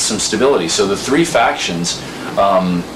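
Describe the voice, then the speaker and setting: Noticeable background noise and audible room echo accompany this man's voice. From Virginia, moved around US (Kansas, Georgia, New Jersey). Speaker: theater director. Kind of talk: interview. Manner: halting, many fillers.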